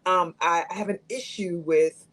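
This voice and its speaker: A woman's voice: lowish voice, steady tone, normal speed, a bit bright, poor audio. A woman in her fifties speaking candidly as a guest on a live talk show, reflective and thoughtful. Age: 50s.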